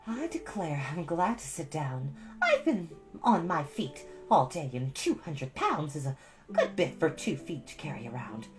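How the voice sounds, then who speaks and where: A woman's voice: sits low, very animated, a little slow, soft background music, pitched above the performer's own voice. A woman voicing a stout, bossy older village gossip from a storybook, opinionated, emphatic and folksy. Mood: weary, opinionated. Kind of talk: storybook character voice.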